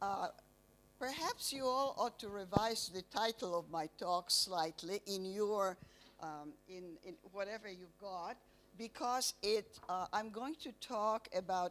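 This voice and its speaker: This woman talks very slowly at a medium pitch with ordinary pitch variation. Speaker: professor, cancer researcher. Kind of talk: lecture. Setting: conference hall with audience. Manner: loud.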